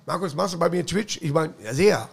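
A middle-aged man hosting a podcast, chatting in a rambling way and laughing loudly at his own jokes. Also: on the high side, lively intonation, fairly quick, gravelly, slightly rough. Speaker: podcast host. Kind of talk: casual chat.

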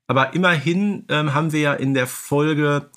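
A man's voice: fairly high pitch, normal speed, a bit bright. A man from North Rhine-Westphalia with pronunciation co-hosts a casual podcast, musing and explaining as he goes. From North Rhine-Westphalia, Germany. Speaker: podcast co-host.

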